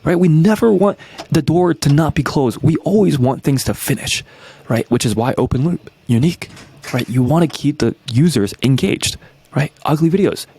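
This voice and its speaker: A man in his twenties from New York, breaking down marketing tactics as a coach, energetic and full of rhetorical questions, tagging "right?" onto nearly every point. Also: on the high side, moderate pace, a little hiss or hum. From New York, USA. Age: 20s. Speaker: YouTube business coach.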